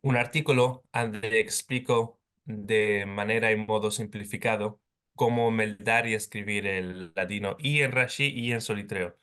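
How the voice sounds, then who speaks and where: A man's voice: on the low side, fairly even intonation, a little slow, a bit bright. A man hosting an online interview, asking questions and encouraging his guest with frequent short listening sounds. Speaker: host, interviewer. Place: home in London.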